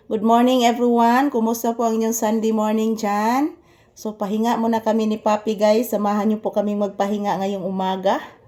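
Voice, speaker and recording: A woman speaks at a moderate pace with a fairly high pitch and a dark, mellow tone. The recording is very clean, with a silent background. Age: 40s. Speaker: vlogger. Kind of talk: casual vlog chat. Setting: at home, indoors.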